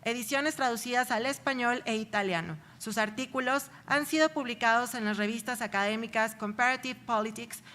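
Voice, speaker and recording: A woman's voice: on the high side, a little fast, hardly any pauses, a bit bright. A woman moderator reading a speaker's introduction, steadily listing his publications.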